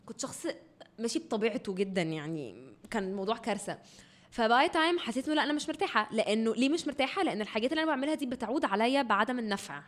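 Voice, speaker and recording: An Egyptian woman speaks in a fairly high voice at a very rapid pace. She chats casually as a podcast guest, mostly in Arabic with occasional English words mixed in. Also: expressive. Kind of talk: casual personal chat. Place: indoor podcast recording.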